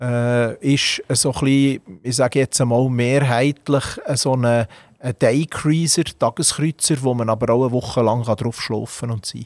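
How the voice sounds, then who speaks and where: This man has an unremarkable speaking voice at medium pitch, with fairly even intonation and a fairly slow pace. The sound is dry and close with no echo, on a very clean recording with a silent background. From Switzerland, Solothurn region. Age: 50s. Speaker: boat builder, shipyard owner. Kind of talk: radio interview.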